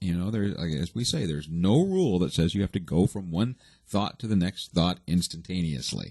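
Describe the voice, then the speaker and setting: A man talks very fast, and the background is quiet. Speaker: podcast host, public speaking coach. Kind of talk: casual podcast chat about public speaking.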